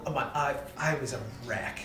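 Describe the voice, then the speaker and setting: A man's voice: medium pitch, moderate pace, echoey room. A young man, a college student and podcast guest, telling self-deprecating stories in casual chat. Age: young adult.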